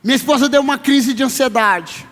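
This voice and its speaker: High pitched preacher guy, emphatic, drags words out for emphasis, big echoey church sound. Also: fairly bright tone. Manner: emphatic, slows down to stress promises, calls listeners brother. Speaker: pastor. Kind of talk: sermon. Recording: long reverb of a large hall.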